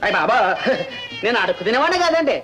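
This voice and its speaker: An actor playing a poor, bumbling village servant who talks in a humble, rustic way. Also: male voice, very high-pitched, sing-song, fast. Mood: comic.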